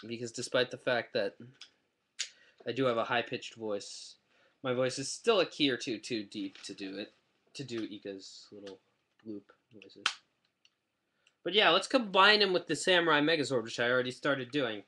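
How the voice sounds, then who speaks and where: A man with a bright, edgy voice gives a loose, rambling toy review into a webcam mic, poking fun at himself as he goes. He talks casually from home, with a faint hiss in the background. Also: medium pitch, expressive, moderate pace. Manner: rambling, chatty, self-deprecating.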